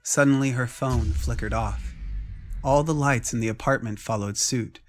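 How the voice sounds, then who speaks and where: A man's voice: mid-range voice, moderate pace, faint music behind. A man narrating a scripted dramatic story.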